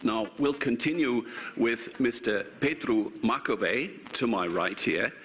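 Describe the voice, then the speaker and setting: A man's voice: mid-range voice, unhurried, a bit bright, a little hiss or hum. A man, moderating a conference panel and introducing speakers with many ums and restarts. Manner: hesitant, many fillers and restarts. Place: large conference hall, seated at panel table. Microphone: table microphone.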